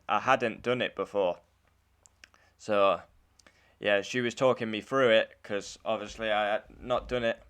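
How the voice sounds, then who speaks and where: A man's voice: lowish voice, fairly bright tone, smooth. A British man giving an informal, matter-of-fact account in a casual vlog style. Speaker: vlogger, learner driver.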